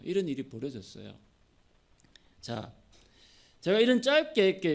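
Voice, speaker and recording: Lively, gravelly-voiced male preacher. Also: a little high. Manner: lively storytelling, acting out characters' lines. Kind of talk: expository sermon.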